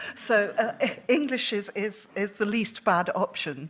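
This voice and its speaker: A woman with a fairly high voice talks at a very slow pace. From Wales. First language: Welsh (speaking German). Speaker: lecturer, labour researcher. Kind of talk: lecture.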